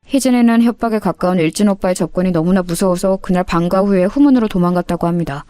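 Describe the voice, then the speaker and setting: Calm woman narrating a story. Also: lowish voice, quick pace, clean tone, dry recording. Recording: dry close voice with faint music behind.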